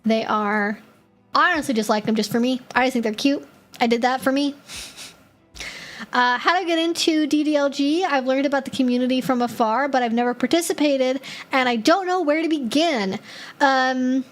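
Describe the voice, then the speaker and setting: A woman's voice: high voice, normal speed, faint music behind. A woman hosting a casual live-stream Q&A, answering viewer questions in a chatty way, with lots of filler words as she thinks aloud.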